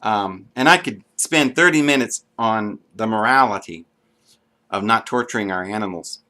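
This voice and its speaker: A man's voice: fairly low pitch, moderate pace, bright, forceful tone. A man giving an unscripted, earnest monologue to camera, with frequent ums and restarts. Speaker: video blogger.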